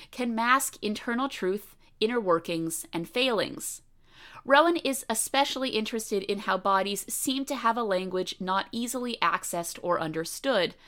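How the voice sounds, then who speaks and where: A woman's voice: a little high, a bit bright. Upbeat American woman podcast host. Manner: upbeat, eager, reads bio aloud. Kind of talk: podcast interview with scripted intro. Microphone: video call.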